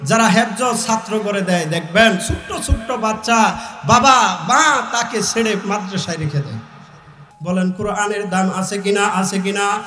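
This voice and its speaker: A man with a Bangladeshi accent preaching a fervent Islamic sermon, declaiming in a drawn-out sing-song way and urging his listeners on. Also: high-pitched, pushed and bright, reverberant. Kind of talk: fervent Bengali waz sermon with chanted verse and recitation.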